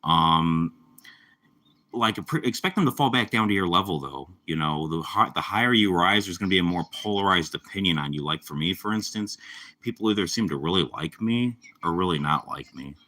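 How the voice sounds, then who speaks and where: A young man with a slightly raspy voice from a cold, chatting casually and rambling on a live stream. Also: sits low, animated, moderate pace, pushed and bright. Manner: rambling, laid-back, lots of fillers. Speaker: livestreamer.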